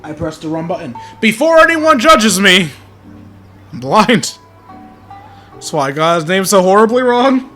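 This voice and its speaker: A man with a high, lively voice chats through a video game playthrough. He is opinionated and playful, often repeating himself, with game music clearly audible. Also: unhurried, long pauses. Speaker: gaming YouTuber. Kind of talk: casual playthrough commentary.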